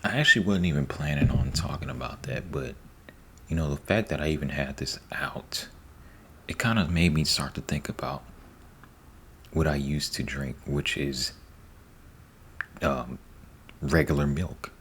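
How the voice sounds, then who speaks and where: A man giving a soft-spoken ASMR ramble, breathy and often near a whisper, informal and repeating himself, close to the microphone. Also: a bass voice, unhurried, pauses often. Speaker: ASMR host. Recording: faint background noise.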